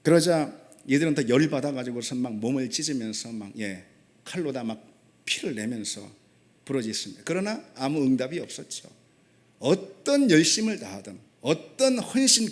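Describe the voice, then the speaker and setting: A man preaching an emphatic sermon, asking rhetorical questions and dropping short affirming asides. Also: fairly high pitch. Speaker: pastor.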